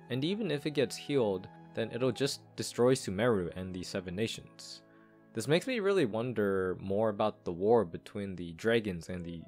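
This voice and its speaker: A man with a fairly low voice narrates a game story review. His delivery follows a script, yet the pitch moves up and down in a lively way. Music plays faintly behind him. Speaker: game reviewer and lore commentator.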